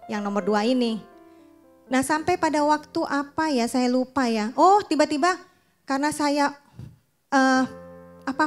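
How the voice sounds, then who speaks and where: A middle-aged woman pastor speaks with a high, light voice. She tells her testimony in a chatty, storytelling way, slipping into the voices of the people in it. Soft music plays faintly underneath. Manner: chatty storytelling, acts out dialogue. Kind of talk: testimony sermon.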